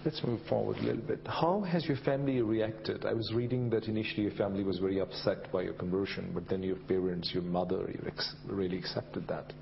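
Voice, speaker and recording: A man's voice: lowish voice, steady tone, brisk, gravelly, few pauses, highs cut off, slight background noise. A man interviewing a guest, asking probing and challenging questions.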